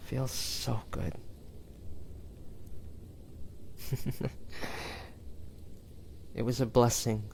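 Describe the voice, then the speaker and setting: A man playing a tender, devoted hunter turned immortal in an intimate audio roleplay, speaking haltingly and emotionally to a lover. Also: medium pitch, darkish tone, slight background noise, full character voice. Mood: soft, loving. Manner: halting, emotional, breathy sighs and whispers.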